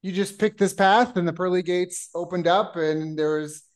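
A man's voice: high voice, moderate pace. A man hosting a podcast, reading a guest introduction and then asking questions with playful teasing. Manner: playful, joking teases. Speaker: podcast host. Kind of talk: casual interview.

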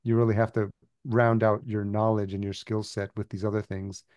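A man's voice: fairly low pitch, moderate pace, no room sound, highs cut off. Man telling his story in an interview. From El Salvador. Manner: relaxed storytelling, laughs easily. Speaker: podcast guest, agency founder. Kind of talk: casual interview.

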